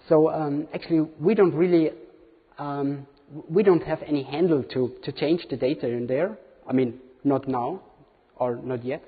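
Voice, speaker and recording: Speaking in a fairly high voice with a breathy edge, a non-native English speaker in his thirties hesitantly runs a live product demo talk, with plenty of fillers. He's a conference presenter in a big hall, recorded from a far camera that makes the sound tinny and echoey from a distance.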